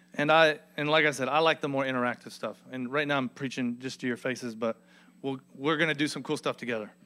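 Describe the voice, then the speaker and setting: A man speaks very fast at medium pitch with fairly even intonation and a bright, sharp tone. The recording is very clean with a silent background. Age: 30s. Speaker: pastor. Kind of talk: sermon. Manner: casual, laughing often.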